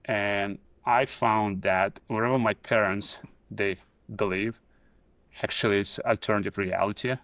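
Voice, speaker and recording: Low gravelly man with a Russian accent. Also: a bit bright, no echo. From Soviet Union. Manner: hesitant, many "uh" fillers and restarts. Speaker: guest. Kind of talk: casual video-call interview. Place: pool house. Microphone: video call.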